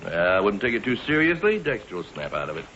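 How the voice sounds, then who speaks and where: A man's voice: lowish voice, big pitch swings, quick pace, lo-fi sound, slight background noise. An actor playing a fond, teasing middle-aged father in 1940s radio acting on an old broadcast. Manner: gentle, teasing.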